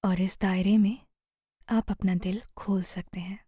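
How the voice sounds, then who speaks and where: A woman narrating a guided meditation in a soothing, gentle manner, often trailing off into a near-whisper. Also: medium pitch, fairly even intonation, a little slow, husky, dry recording, studio quality.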